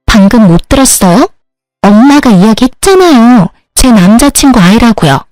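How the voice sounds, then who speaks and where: A woman's voice: a little high, darkish tone, no room sound, close to an everyday voice, low-quality recording. A woman voicing a rude, entitled young sister-in-law who taunts in a cocky way, in a storybook reading.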